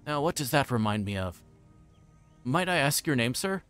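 A man voicing a bustling, forgetful fat innkeeper in a storybook reading, rambling on in a hurried, folksy way. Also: medium pitch, big pitch swings, fairly bright tone, clear, resonant tone, faint music behind. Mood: bustling, jovial. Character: flustered, bustling, chatty fat middle-aged male innkeeper.

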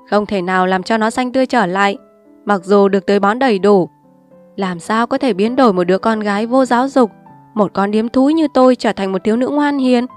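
A woman's voice: on the high side, lightly acted. Woman voicing a bitter, scornful young woman. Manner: blunt, scornful and sharp-tongued. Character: bitter defiant young woman, streetwise and mocking.

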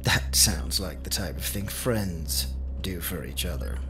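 Man playing a menacing, low-voiced black-market dealer. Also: a bit bright, slight background noise. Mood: coolly persuasive. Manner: formal, deliberate, persuasive. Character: smooth-talking, menacing male black-market organ dealer. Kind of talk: radio drama acting. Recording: music under the voice.

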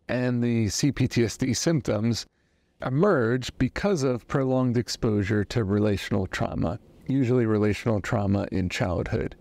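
Thirtysomething guy therapist talking to camera, low voice with some fry, dry close sound. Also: a little mellow, dry recording. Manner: measured, thoughtful explaining with hand gestures. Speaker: trauma therapist. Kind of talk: educational talk to camera. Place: study with bookshelves, indoors.

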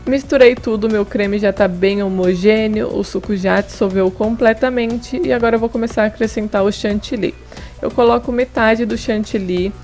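A young woman with a medium-pitched, darkish voice hosts a cooking channel, narrating a casual recipe demonstration at her home kitchen table. In voice-over she chats through each step and offers friendly tips.

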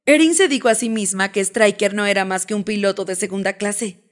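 Woman narrator, romance audiobook, lively dramatic read. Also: medium pitch, a little fast. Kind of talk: scripted narration.

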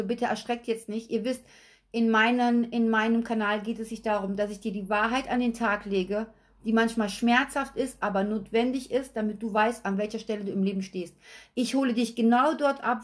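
Woman, slightly hoarse, fairly high voice, chatty tarot reader at a table. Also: fairly even intonation, moderate pace. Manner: chatty, repeats okay? and addresses viewers directly. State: slightly hoarse, recovering from illness. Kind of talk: tarot reading video. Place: at a table with cards and a candle, indoors.

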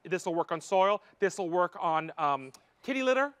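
A middle-aged man presenting a product on a live shopping channel, excitable and full of playful banter. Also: sits high, normal speed, clean tone, no echo. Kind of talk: live home shopping sales talk. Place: large TV studio kitchen set.

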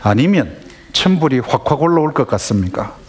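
A man's voice: mid-range voice, very animated, brisk, a crowd in the background. Man lecturing parents. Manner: conversational, acts out family dialogues, asks audience questions.

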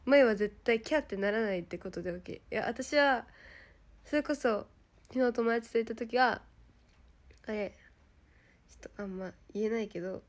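A young woman with a Kansai accent, chatting casually with viewers on a livestream, giggly and quick to act out past exclamations. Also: a little high. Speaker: idol streamer.

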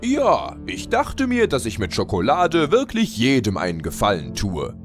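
A man's voice: mid-range voice, huge pitch swings, measured pace. A man playing a kindly, trusting old Santa impersonator in an audio horror drama, jovial and polite. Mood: jovial, friendly. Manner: jovial, polite, gently patronizing. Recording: music behind the voice.

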